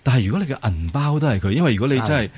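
A man with a Hong Kong Cantonese accent giving modest, explanatory answers as an interview guest, with hesitant pauses. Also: medium pitch, expressive, a little mellow, husky. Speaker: interview guest, former tech company employee. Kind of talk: casual interview talk.

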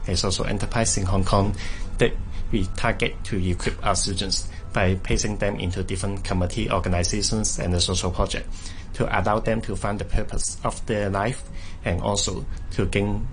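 A middle-aged man, a charity co-founder, explaining his program in a steady, slightly halting way. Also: on the low side. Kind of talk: recorded interview explanation.

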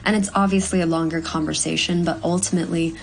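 A woman in her twenties from Hong Kong, a young actor giving earnest, measured interview answers with the odd "um". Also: on the low side, steady tone, gravelly, slight background noise, poor audio. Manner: earnest, measured, with frequent ums. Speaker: guest actor.

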